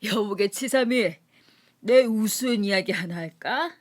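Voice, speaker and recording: A woman voicing a drunk middle-aged male rickshaw puller who shouts and brags in a rowdy, slurred way. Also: mid-range voice, measured pace, close to an everyday voice. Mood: tipsy storytelling.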